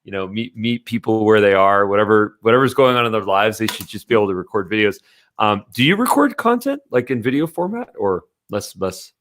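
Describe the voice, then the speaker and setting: A man's voice: on the low side, lively intonation, a little fast, fairly bright tone, slight background noise. A man hosting a podcast, asking questions in an enthusiastic, complimentary, casual way. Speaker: podcast host. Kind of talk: interview questions, casual chat.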